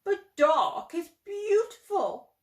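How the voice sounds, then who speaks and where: Woman as a gentle, unhurried big black cat. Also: very high voice, animated, pitched above the performer's own voice, heavily acted. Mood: inviting. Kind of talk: children's storybook read-aloud. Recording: roomy echo.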